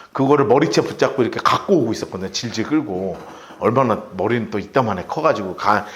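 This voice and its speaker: Animated man teaching a Bible class. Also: fairly high pitch, reverberant. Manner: animated storytelling with vivid asides. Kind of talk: Bible study lecture. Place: church room.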